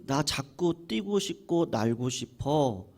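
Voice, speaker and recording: A restless little boy pleads with his father in a raised, childlike voice, as a male preacher puts him on. He speaks slowly and sweetly, bursting with energy. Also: fairly high pitch, animated, creaky, darkish tone, full character voice. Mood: pleading. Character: energetic young boy wanting to run.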